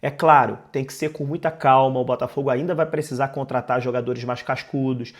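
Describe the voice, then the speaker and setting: A man's voice: mid-range voice, fairly even intonation, brisk. A man with a Brazilian Portuguese accent, congested with a cold, giving emphatic, conversational football commentary as a channel host, repeating key phrases. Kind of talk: sports news commentary to camera.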